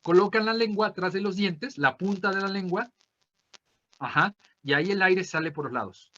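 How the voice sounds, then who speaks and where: Mexican male teacher, bright and slightly high voice, patient explainer who drills pronunciation, dull video-call sound. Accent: Mexican Spanish. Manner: explanatory, peppered with tag questions; repeats words slowly to model pronunciation. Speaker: language teacher. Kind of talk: online class lecture.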